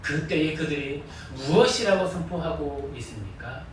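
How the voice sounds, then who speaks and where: A man's voice: fairly high pitch, expressive, moderate pace, a little hiss or hum. A man pastor preaching a sermon in a church, leading the congregation in call-and-response. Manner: earnest preaching with repeated call-and-response prompts. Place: church sanctuary. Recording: echoey church hall, distant mic.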